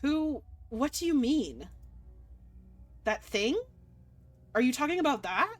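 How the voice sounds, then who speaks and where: A woman's voice: high-pitched, very animated, slow, faint music behind, pitched above the performer's own voice, full character voice. A woman voicing a wounded, confused human in a fantasy visual novel, insistent and full of questions. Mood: bewildered. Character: wounded, bewildered, questioning human lost in limbo. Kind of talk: reading visual novel dialogue aloud.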